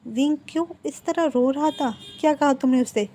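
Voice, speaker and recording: A woman's voice: sits high, normal speed, warm tone, slight background noise, natural voice. Woman voicing an angry, protective young friend. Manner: scolding, challenging questions.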